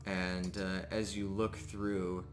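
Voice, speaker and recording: Man, game master, low voice, halting tabletop narration, music playing softly behind. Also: level tone.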